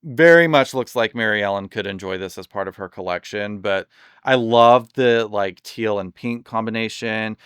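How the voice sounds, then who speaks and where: A man chatting casually and enthusiastically in a product review, rambling with lots of fillers, his voice slightly hoarse from overuse. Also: medium pitch, a bit bright, dry recording, clean studio sound. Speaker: doll collector reviewing products.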